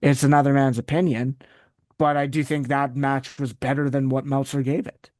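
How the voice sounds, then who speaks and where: A man's voice: mid-range voice, flat delivery, normal speed, a little mellow, no room sound. Rambling Canadian man in a dry room. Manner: rambling, restarts often, goes on tangents. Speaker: guest, wrestling site writer. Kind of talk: casual interview chat.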